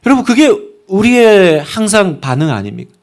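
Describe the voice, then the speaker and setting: Male pastor, sermon, high-pitched voice, emphatic delivery with sharp swings from loud to hushed. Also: sing-song, normal speed.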